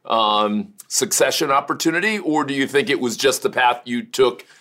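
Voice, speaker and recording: A man's voice: mid-range voice, moderate pace, sharp tone. A man hosting an interview, asking curious questions and often restarting them, laughing easily. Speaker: interview host. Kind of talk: interview conversation.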